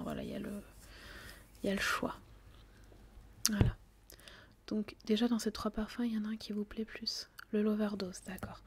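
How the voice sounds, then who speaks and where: A woman whispers softly and steadily, playing a perfume saleswoman in an ASMR roleplay. Her tone stays level, with little rise and fall. She hesitates often, filling pauses as she goes. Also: mid-range voice, slight background noise. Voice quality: soft whisper. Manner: hesitant, many fillers.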